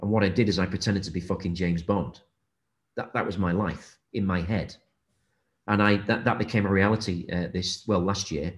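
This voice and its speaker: A middle-aged man with a low voice talks as a guest on a video call. He tells his own story casually, leaning on swear words for emphasis. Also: fairly even intonation, moderate pace. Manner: profane, emphatic. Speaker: interview guest. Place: indoors, plain room. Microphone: video call from a room.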